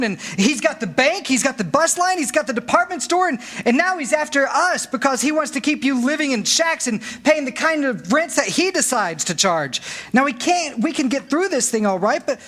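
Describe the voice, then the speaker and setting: A man playing an earnest, flustered young small-town man in a staged 1940s-style radio drama, stammering and halting as he talks. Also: very high-pitched, expressive, a bit bright. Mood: pleading. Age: young adult.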